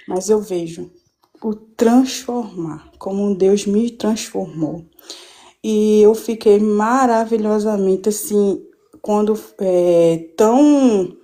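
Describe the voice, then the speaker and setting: A woman's voice: medium pitch, warm tone. A woman giving a fervent, rambling church testimony from home on a live stream, with many restarts.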